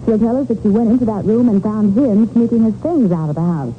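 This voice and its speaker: A woman's voice: medium pitch, fairly quick, lightly acted. A woman playing a sensible, reassuring detective's assistant in a 1940s radio drama, speaking emphatically. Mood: soothing. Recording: noisy, narrow-band 1940s radio recording.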